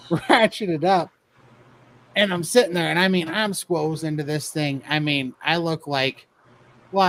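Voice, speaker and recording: A man's voice: fairly high pitch, fairly bright tone, a little hiss or hum, low-quality recording. A man casually telling a funny story about himself, laughing often as he goes. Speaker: guest telling his weight-loss story.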